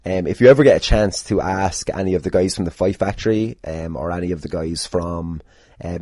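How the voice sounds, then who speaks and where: On his own podcast, an Irish man who is a host and pro wrestler talks casually in a low, mellow, slightly rough voice, recorded close and dry with no room sound. He rambles along jokily while answering questions, swearing freely.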